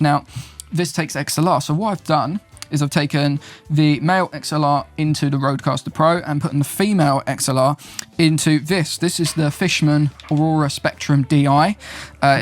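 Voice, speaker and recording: A young man hosting his own channel, chatting casually and upbeat as he explains recording gear step by step. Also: on the high side. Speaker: YouTube host, videographer and podcast producer. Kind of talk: casual gear tutorial to camera.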